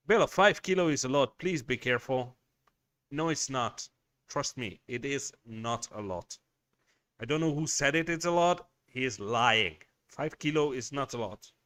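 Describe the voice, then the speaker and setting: A man's voice: medium pitch, expressive, measured pace, long pauses, fairly bright tone, no echo. A man hosting a casual livestream, chatting with viewers, reading their messages and swearing bluntly as he rambles. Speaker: livestream host.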